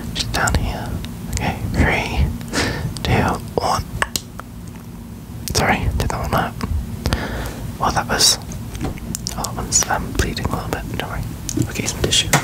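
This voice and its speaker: Over loud background noise, a soft-spoken man keeps a moderate pace broken by long, frequent pauses. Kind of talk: ASMR roleplay soft talk. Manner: soft, close ASMR-style murmur. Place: home room. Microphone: earbuds.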